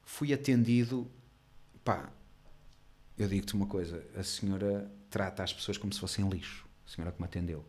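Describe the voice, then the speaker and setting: A man's voice: sits low, normal speed, a little mellow. A man with a European Portuguese accent telling an indignant story in a casual chat.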